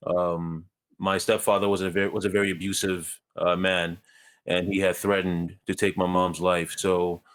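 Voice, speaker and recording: A man from Ghana, a guest in a conversation, telling his life story in a measured, earnest way with light self-deprecating humor. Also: sits low, flat delivery, fairly bright tone.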